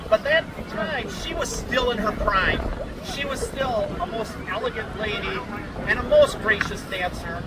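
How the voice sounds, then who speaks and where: A male Renaissance faire bard with a very high-pitched voice tells a tale slowly and theatrically, in old-fashioned storybook language. He is recorded live amid loud crowd noise. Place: outdoors at a Renaissance fair. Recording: noisy outdoor fair with crowd chatter.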